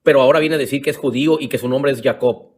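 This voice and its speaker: A man's voice: mid-range voice, fairly even intonation, very fast. A man commenting on a video he plays, pressing his point with insistent, repetitive rhetorical questions. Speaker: online religious commentator. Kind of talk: refutation commentary on a played video.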